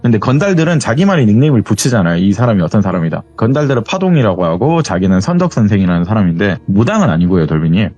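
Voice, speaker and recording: A man's voice: on the low side, very fast, few pauses, no echo. A young man acting as a guest storyteller, who tells a true horror story in a casual way and acts out the dialogue. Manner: animated, acts out quoted dialogue.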